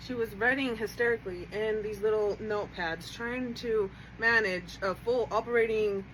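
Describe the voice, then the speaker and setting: A woman's voice: mid-range voice, moderate pace, fairly bright tone, slight background noise, rough recording. A woman guest telling stories in casual chat, blunt and swearing freely. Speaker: guest co-worker.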